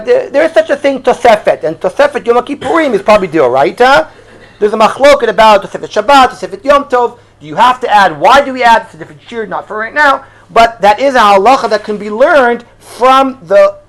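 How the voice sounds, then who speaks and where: Giving a casual religious lecture to a live audience, a high-pitched Hebrew-speaking rabbi from Israel poses questions and keeps it conversational. His talk is peppered with Hebrew and Yiddish words.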